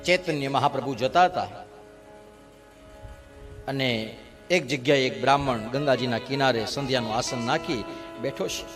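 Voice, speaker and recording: A man, telling a devotional story as a sermon in an animated, rhythmic style with chanted verses. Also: medium pitch, moderate pace, long pauses, in a large hall. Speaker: religious storyteller. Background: guitar music.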